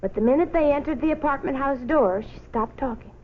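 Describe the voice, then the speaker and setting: A woman reading a children's story as an expressive scripted narration. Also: sits high, a little fast. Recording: muffled noisy old film soundtrack.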